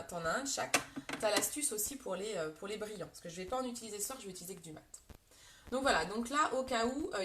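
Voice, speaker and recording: A woman's voice: mid-range voice, a bit bright, recorded from a distance. Chatty woman, echoey room. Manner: chatty, addresses viewers by name, explains step by step. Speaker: beauty product seller doing a live makeup demo. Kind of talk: casual live tutorial.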